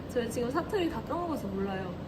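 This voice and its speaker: A woman's voice: fairly high pitch, very noisy. A young woman in her twenties with a slight Korean regional dialect, chatting casually and giggling often on a livestream. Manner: giggly, chatty, reads and answers comments. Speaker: idol livestream host.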